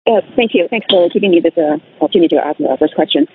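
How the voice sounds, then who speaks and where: Hesitant higher-voiced man on a phone line. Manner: hesitant, halting with many ums. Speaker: analyst asking a question. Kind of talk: spontaneous conference call question. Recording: narrow phone line with faint noise.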